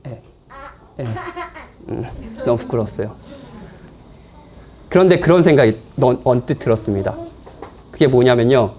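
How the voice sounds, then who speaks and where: A man's voice: medium pitch, lively intonation, normal speed, long pauses, mellow. A man preaching a sermon in a church, speaking conversationally and playfully with his congregation. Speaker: pastor. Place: church, afternoon service.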